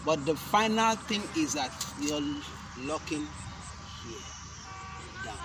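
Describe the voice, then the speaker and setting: A young man demonstrating self-defense moves, explaining each step slowly and deliberately, with sharp shouted cries on the strikes. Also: a little high, expressive. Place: outdoor concrete court. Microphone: camera mic at a distance. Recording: outdoor noise from a camera mic.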